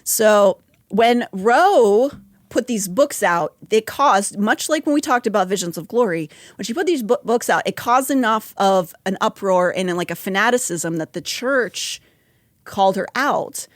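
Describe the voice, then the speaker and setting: A woman's voice: medium pitch, lively intonation, measured pace, no room sound, clean studio sound. A woman hosting a podcast, talking in a wry, chatty way with asides and laughs. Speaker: podcast host. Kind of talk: casual conversational podcast.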